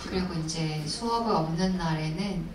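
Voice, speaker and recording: A woman answering questions on stage at a film screening Q&A, speaking thoughtfully with pauses and fillers. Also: low-pitched. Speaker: actress at a film Q&A. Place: cinema hall with audience. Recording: echoey cinema hall from far off, noisy.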